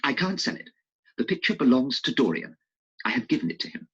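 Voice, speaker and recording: A man's voice: mid-range voice, sing-song, a little fast, a bit bright, husky, pitched above the performer's own voice. A man reading an audiobook voices an earnest male painter who speaks in an insistent, protective way. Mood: firm. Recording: dull lo-fi recording.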